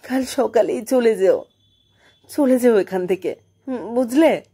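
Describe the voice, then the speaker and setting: A woman's voice: on the high side, takes it slowly, warm tone, breathy edge, voice pushed up. A woman storyteller voicing a distraught, secretive married woman who speaks in an urgent, imploring and emphatic way. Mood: urgent pleading.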